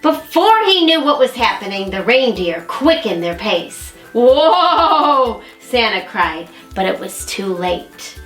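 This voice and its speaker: Woman librarian, storytime reading, slow, lively, echoey room. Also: medium pitch, soft background music. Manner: warm, expressive, addressing children. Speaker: children's librarian.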